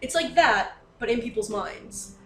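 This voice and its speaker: High-voiced woman in an echoey room. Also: expressive, measured pace. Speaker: player in a tabletop role-playing game. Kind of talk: casual in-character game discussion. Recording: roomy, distant mic, faint noise.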